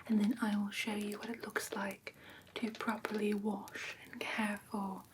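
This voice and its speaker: A woman playing a gentle vampire teacher, giving a patient lesson in a soft, breathy ASMR whisper. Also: medium pitch, flat delivery, a little hiss or hum, natural voice. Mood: gentle, instructive. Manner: soft, patient, unhurried instructing. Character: female vampire teacher, gentle, instructing a human care class.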